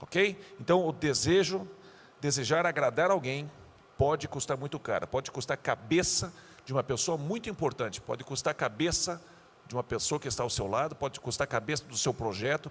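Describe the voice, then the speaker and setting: A male pastor giving a youth sermon, animated and joking, acting out the scenes he tells. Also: fairly high pitch, big-room sound.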